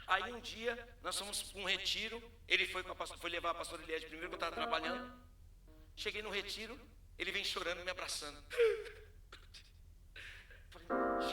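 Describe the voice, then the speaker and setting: Brazilian pastor, high bright voice, storytelling sermon, echoey hall with music behind. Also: male voice, fairly quick, pauses often. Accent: Brazilian Portuguese. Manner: storytelling, animated, acts out dialogue.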